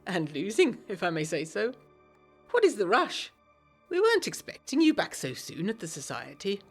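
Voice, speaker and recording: A woman voicing an urbane, teasing gentleman doctor with a wry, formal manner in a period audio drama. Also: mid-range voice, huge pitch swings, normal speed, slightly rough, faint music behind, full character voice. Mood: amused.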